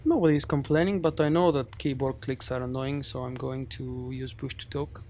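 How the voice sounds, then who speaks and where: A man's voice: mid-range voice, steady tone, moderate pace, mellow, a little hiss or hum. Chatty Bulgarian-accented man. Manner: chatty, self-mocking. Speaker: streamer. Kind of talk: casual stream commentary.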